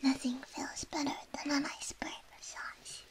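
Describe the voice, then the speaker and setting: A woman in a whispered role-play as a quirky, soothing, slightly shady surgeon, talking gently and playfully as if giving personal attention. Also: high-pitched, little pitch movement, moderate pace. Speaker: ASMR performer playing a doctor.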